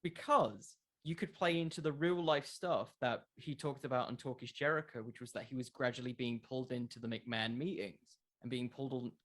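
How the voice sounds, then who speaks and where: A man's voice: mid-range voice, brisk, hardly any pauses. A man answering questions in a casual interview, thinking aloud and repeating words as he goes. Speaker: podcast creator, interview guest. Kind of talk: casual interview chat about wrestling fiction.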